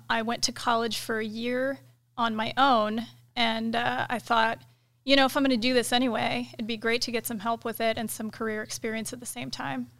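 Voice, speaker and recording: A woman in her forties answers interview questions in a measured, thoughtful way, pausing often to gather her words. Her voice sits a little high but stays very even, with a gravelly edge to it. The sound is dry and close. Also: no room sound. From United States. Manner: measured, thoughtful, many filler pauses. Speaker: KC-135 pilot and inspections director, guest.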